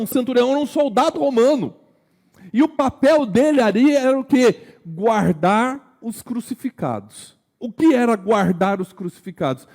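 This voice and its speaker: A Brazilian man preaching a sermon in a conversational way. He keeps asking his congregation questions, sometimes dropping to a slow hush and sometimes rising with energy. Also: very high voice. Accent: Brazilian Portuguese. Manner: swings between hushed, slow emphasis and raised, energetic delivery. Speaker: pastor.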